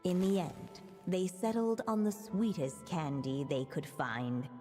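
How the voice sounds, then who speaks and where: A slow, measured storybook narrator. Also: female voice, on the low side, expressive, dark tone, soft background music. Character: calm storybook narrator woman. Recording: long hall reverb.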